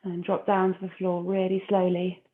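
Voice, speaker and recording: A woman's voice: fairly low pitch, moderate pace. Woman coaching a core class, phone-line audio. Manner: calm, encouraging cues with breath counts. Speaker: fitness instructor. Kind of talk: guiding an exercise class.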